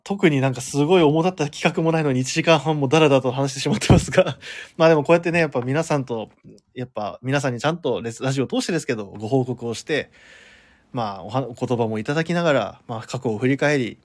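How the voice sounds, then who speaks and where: A man hosts a live radio show by himself in a loose, chatty way. He laughs easily as he works through listener comments, with an everyday mid-range voice. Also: mid-range voice. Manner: relaxed and chatty, laughing often, with many fillers.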